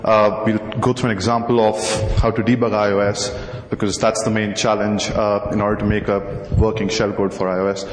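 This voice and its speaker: A man's voice: lowish voice, level tone, brisk, few pauses. A young man with an Indian accent giving a technical conference talk in a large hall at a podium mic, full of hesitant fillers. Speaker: conference presenter. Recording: echoey hall, faint noise.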